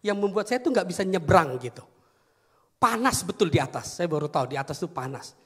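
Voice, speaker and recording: High-voiced male pastor preaching. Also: brisk, slightly rough. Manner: animated storytelling, acts out voices in a story. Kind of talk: sermon. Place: church hall. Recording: long hall reverb.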